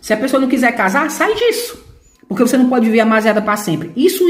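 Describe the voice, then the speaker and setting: A woman talks with a fairly high pitch and very wide pitch swings. Audible room echo surrounds her voice. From Brazil. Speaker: evangelical YouTuber. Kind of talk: religious teaching monologue.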